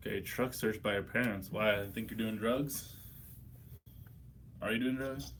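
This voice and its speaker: Hungover American man with a lowish voice. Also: unhurried, fairly bright tone, a little hiss or hum. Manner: profane, blunt, slangy. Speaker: livestream host. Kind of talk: casual livestream chat answering viewers' questions.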